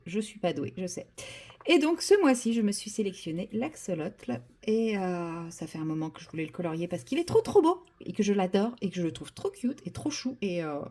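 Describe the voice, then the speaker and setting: Chatty woman with a mellow voice. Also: fairly low pitch, lively intonation, fairly quick. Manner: chatty, self-deprecating, full of fillers and restarts. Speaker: vlogger. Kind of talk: casual chat while painting.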